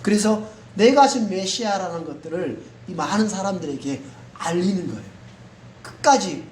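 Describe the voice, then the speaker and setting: Lively, echoing pastor preaching a sermon. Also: mid-range voice, normal speed, slight background noise. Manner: emphatic, asks the congregation rhetorical questions. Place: church hall. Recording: echoey room, mic at a distance.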